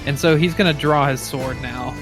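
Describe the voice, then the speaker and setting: A man's voice: medium pitch, moderate pace, music in the background. A man improvising a story casually as a player in a tabletop roleplaying game.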